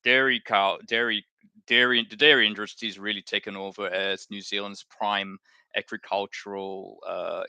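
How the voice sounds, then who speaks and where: A man's voice: fairly low pitch, pushed and bright, smooth, dry recording. A man from Malaysia hosting a live watchalong stream, chatting in a rambling, self-correcting way. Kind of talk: casual watchalong chat.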